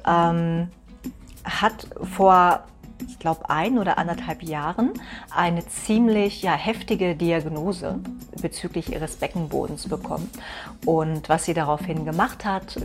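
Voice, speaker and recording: A woman introducing a podcast episode in an upbeat, announcing way. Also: lowish voice. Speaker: podcast host. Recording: faint background music.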